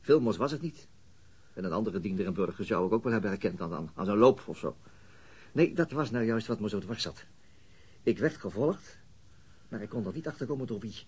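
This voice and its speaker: Low-voiced, weary police detective. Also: male voice, animated, fairly quick, a little mellow, slightly rough. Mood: uneasy, wry. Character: male police detective, weary, dry, recounting being shadowed. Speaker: actor in a radio crime drama. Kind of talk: radio drama acting, narrating and dialogue. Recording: noisy older radio drama recording.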